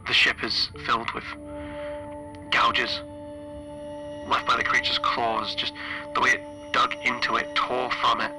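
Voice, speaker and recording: A man playing a frightened, stranded spaceship engineer recording an audio log for a horror roleplay, halting and stammering through a radio filter. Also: medium pitch, level tone, music in the background, poor audio. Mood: uneasy musing. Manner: halting, stammering, anxious repetitions. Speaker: solo tabletop roleplayer.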